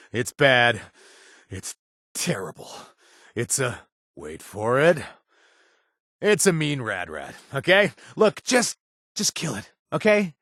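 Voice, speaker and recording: A wry, sarcastic game companion. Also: male voice, mid-range voice, dry recording, exaggerated voice. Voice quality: animated, sarcastic delivery with hesitant stammers. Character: wry young man, quest-giving companion, sarcastic and jumpy. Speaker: video game companion character. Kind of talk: video game voice lines. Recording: dry studio sound.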